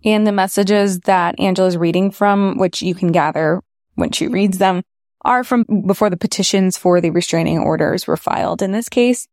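A woman's voice: fairly low pitch, moderate pace, darkish tone, no room sound, clean studio sound. A woman co-hosting a podcast, explaining background information to listeners. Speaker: podcast co-host.

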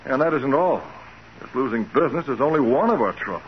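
An actor playing a worried, earnest company superintendent with a folksy manner in a 1940s radio drama. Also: male voice, mid-range voice, animated, fast talker, close to an everyday voice. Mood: worried, discouraged. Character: worried, plain-spoken male window-cleaning company superintendent. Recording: muffled, noisy 1940s radio recording.

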